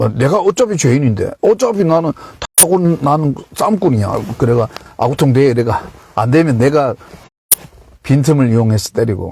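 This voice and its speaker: A man speaks at a moderate pace in a fairly high pitch. His intonation is lively and his loudness very even. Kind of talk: sermon-like monologue. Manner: halting, with fillers.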